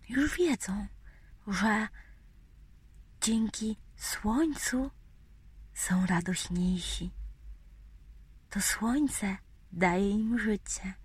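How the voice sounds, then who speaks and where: A woman telling a bedtime story to small children in a whispery, breathy voice, gently repeating phrases and asking them questions. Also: medium pitch, no room sound. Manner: slow, gentle, addressing little children with repetitions and questions.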